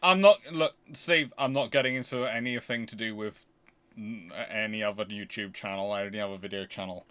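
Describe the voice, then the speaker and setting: A British man runs a casual Q&A livestream, rambling and halting as he repeats and rephrases himself often. His voice is fairly low in pitch with a fairly bright tone.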